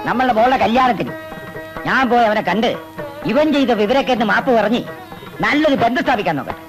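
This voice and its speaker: A man's voice: extremely high pitch, expressive, fast talker, over music. An older actor playing a proud, scheming retired astrologer father in a domineering, blustering manner. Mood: stern. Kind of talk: 1990s Malayalam film dialogue.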